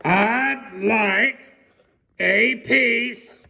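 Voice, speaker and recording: A man voicing a loud, blustering storybook character who bellows his demands. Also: extremely slow, gravelly, heavily acted. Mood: booming, insistent. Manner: booming, shouting.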